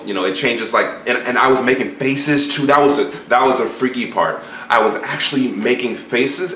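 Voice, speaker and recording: A man recounts a dream in a casual, puzzled and musing monologue. His voice is fairly low but bright and forward, and he rambles conversationally with slangy asides. The room is echoey, with faint noise behind him. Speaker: YouTuber recounting a dream to viewers.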